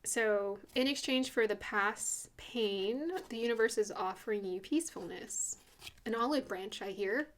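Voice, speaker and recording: A woman giving a casual spiritual card reading, talking earnestly and chattily with fillers and soft laughs. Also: fairly high pitch, unhurried. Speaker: spiritual reader doing a tarot card reading.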